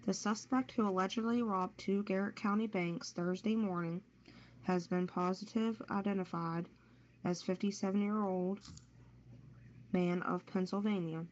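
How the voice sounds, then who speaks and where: A woman's voice: mid-range voice, fairly even intonation, normal speed. A woman co-hosting, reading a local newspaper story aloud. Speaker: co-host reading local news stories. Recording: muffled audio with faint noise.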